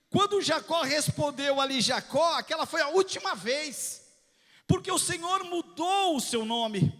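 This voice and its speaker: A Brazilian man preaching an impassioned sermon as pastor, swelling to shouts. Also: very high voice. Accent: Brazilian Portuguese. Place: church sanctuary. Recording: long hall reverb.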